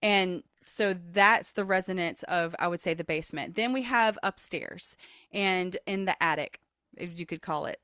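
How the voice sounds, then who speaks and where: A woman's voice: normal speed, dry recording, clean studio sound. A woman vocal leadership coach, a podcast guest, who speaks in an earnest, motivational way and jumps into playful voices to demonstrate. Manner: expressive, demonstrates voices with big pitch jumps. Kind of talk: podcast interview.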